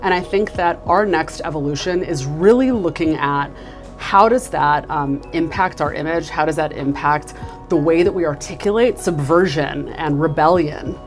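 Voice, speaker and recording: A woman's voice: low-pitched, normal speed, soft background music. A woman from the United States, a marketing executive, talking enthusiastically in an interview with many fillers like "you know" and "like.". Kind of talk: casual interview.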